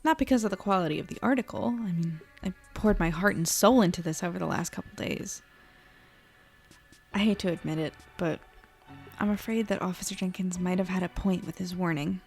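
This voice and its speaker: A woman's voice: mid-range voice, a little mellow, lightly acted. A woman playing an earnest, anxious small-town newspaper reporter in an audio drama, conversational, musing and unsure of herself. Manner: conversational, musing, self-doubting. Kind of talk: naturalistic audio drama podcast acting.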